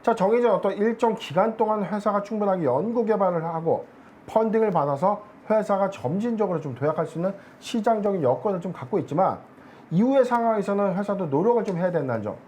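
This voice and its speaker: A man speaking as an analyst guest on a stock market show, explaining in a measured way with many filler words. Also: sits high, expressive, darkish tone, a little hiss or hum.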